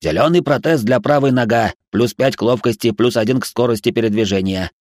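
A man's voice: mid-range voice, a little fast, a little mellow, no room sound, studio quality, natural voice. A man voicing a sarcastic male servant robot who talks in clipped, broken grammar. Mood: insistent. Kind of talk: audiobook character voice.

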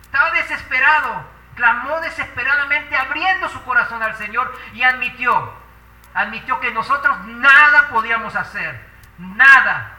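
Preacher guy, super bright voice, sounds kinda far from the mic, fired up sermon. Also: extremely high pitch, moderate pace, reverberant. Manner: impassioned, rhetorical questions to the congregation.

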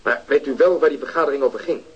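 An actor playing a patient, methodical police detective in a radio drama. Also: male voice, medium pitch, quick pace, a bit bright, dull audio, natural voice. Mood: polite. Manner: polite, methodical questioning. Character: patient police detective, middle-aged man.

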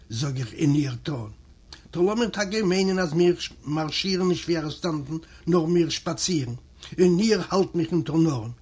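A native Yiddish-speaking man with an Eastern European accent reads a memoir aloud in a husky voice that sits a little high. He moves through narration and dialogue, giving each character a voice of his own. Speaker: audiobook reader. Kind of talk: literary reading of a memoir.

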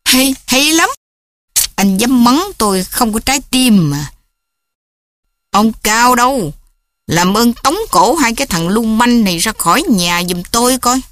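Woman playing a stern old father, harsh, scolding, sharp-tongued, dry close sound. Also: fairly high pitch, animated, measured pace, no echo.

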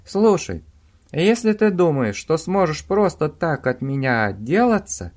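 A man's voice: fairly high pitch, big pitch swings, measured pace, a little mellow, voice pushed up. A man voicing a demanding young woman who presses her lover on the phone, insistent and pushy.

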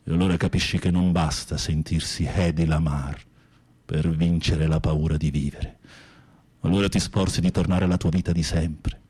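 An actor playing a flamboyant gay male prisoner in a radio drama, a theatrical wounded romantic with a husky, breathy voice. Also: low voice, steady tone, moderate pace, warm tone. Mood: wistful, melancholy. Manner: theatrical, swinging from confiding murmurs to camp exclamations.

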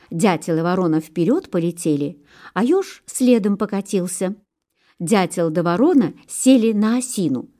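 A woman reads folk tales aloud in an unhurried, deliberate rhythm. Her voice is mellow and warm, never sharp. Her delivery is measured and expressive, steady from line to line. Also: mid-range voice. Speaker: narrator. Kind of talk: storybook reading.

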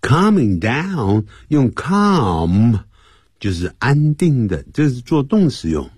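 A man teaching English on a radio lesson. He explains in Chinese and repeats the English phrases slowly, in a playful manner. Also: mid-range voice, sing-song, a little mellow, breathy edge, no room sound, studio quality. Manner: playful, mimics sounds. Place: radio studio.

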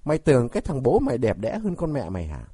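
A man's voice: lowish voice, big pitch swings, fairly quick, slightly rough, dry recording, clean studio sound, heavily acted. Man voicing a bitter, tearful aging mother. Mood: furious. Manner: pleading, then shouting in rage.

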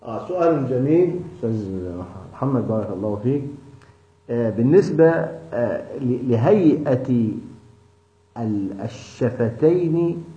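A man teaching tajweed in a class session, answering a student with many halting restarts. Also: mid-range voice, animated, mellow. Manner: hesitant, with many restarts and drawn-out fillers. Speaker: Quran recitation teacher. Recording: echoey, dull lo-fi room recording.

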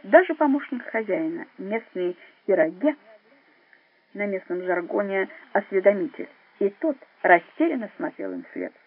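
A woman reading a thriller audiobook as narrator, with steady, even storytelling. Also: medium pitch, normal speed, breathy edge. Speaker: audiobook reader. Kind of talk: scripted narration. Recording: narrow phone-like band.

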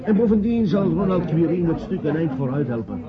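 An actor playing a formal, diplomatic financier in a Dutch radio drama, polite and tactfully hesitant. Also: male voice, fairly high pitch, animated, a little fast, lightly acted. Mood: diplomatic, evasive. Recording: muffled radio play recording, crowd murmur.

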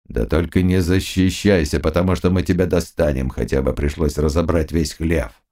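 A man voicing a grim cossack who gives a slow, menacing warning. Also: a bass voice, steady tone, mellow, pitched below the performer's own voice.

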